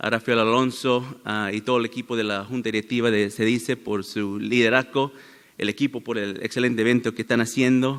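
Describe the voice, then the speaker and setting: A man at medium pitch, fairly quick and monotone, on a very clean recording with a silent background. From United States, Bolivian parents. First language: English or Spanglish (speaking Spanish). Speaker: military veteran and security speaker. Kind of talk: conference talk. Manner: halting, many fillers and repeats.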